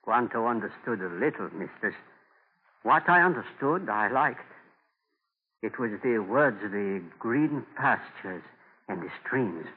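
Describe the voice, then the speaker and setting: An actor in a 1940s radio drama playing a gentle Native American captive who speaks halting, broken English earnestly. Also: male voice, fairly low pitch, lively intonation, breathy edge, exaggerated voice. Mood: humble, earnest. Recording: muffled old 1940s radio broadcast.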